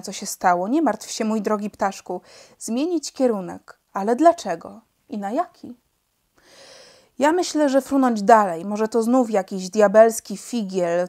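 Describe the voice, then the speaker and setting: A woman reading as a calm, joking legless pilot. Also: mid-range voice, close to an everyday voice. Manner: wry, matter-of-fact banter. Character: calm legless male pilot, dry joker. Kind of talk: storybook reading.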